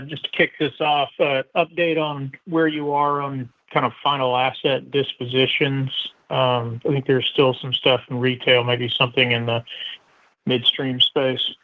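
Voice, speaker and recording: A man's voice: medium pitch, steady tone, a little slow. A man, an analyst, asking brief, casual questions on a conference call. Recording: distant tinny phone line.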